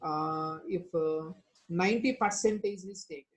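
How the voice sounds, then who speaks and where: A woman's voice: lowish voice, a little slow. A woman with a South Asian accent teaching a lesson, going through formulas step by step and prompting students with questions. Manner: addresses students with prompting questions and tag words. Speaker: chemistry teacher.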